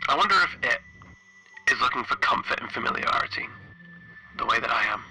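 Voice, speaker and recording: A man playing an anxious, isolated spaceship engineer recording log entries, halting and stammering, his phrases trailing off breathily. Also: mid-range voice, animated, noisy background, natural voice. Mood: nervous, reflective. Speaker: player of a solo tabletop horror game. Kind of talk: in-character audio log, dramatic monologue.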